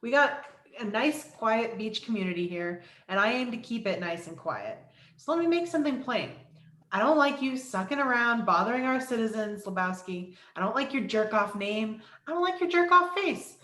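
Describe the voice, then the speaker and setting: A woman's voice: on the high side, expressive, moderate pace, fairly bright tone. Woman playing a hostile police chief, echoey room. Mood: contemptuous, menacing. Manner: curt, contemptuous, profane. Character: hostile, bullying male small-town police chief. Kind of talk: virtual table read of a film script.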